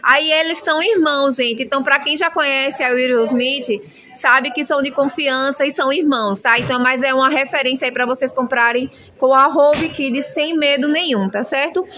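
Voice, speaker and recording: A woman's voice: high voice, steady tone, normal speed, sharp tone. A woman filming a chatty, gushing shopping vlog, showing clothes in a shop. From Brazil. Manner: gushing, chatty, constant "minha gente". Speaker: shopping vlogger. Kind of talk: enthusiastic product showcase. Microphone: handheld phone camera.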